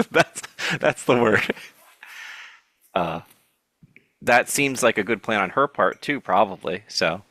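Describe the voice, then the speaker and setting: A man playing a tabletop game, thinking aloud with halting restarts. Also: on the low side, animated, sharp tone, no echo. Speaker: player. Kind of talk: casual tabletop role-play.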